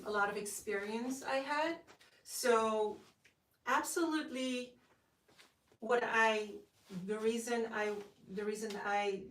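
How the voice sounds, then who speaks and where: A young Dutch woman with a Dutch accent, a guest actress talking with gushing enthusiasm and lots of fillers. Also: mid-range voice. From Netherlands. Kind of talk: casual interview. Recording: roomy, distant from the mic.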